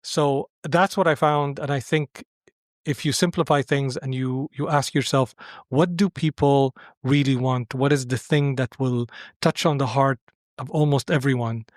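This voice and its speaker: A man's voice: mid-range voice, fairly even intonation, unhurried, no echo, clean studio sound. A man from Syria speaking as a podcast guest, explaining his thinking in a conversational interview.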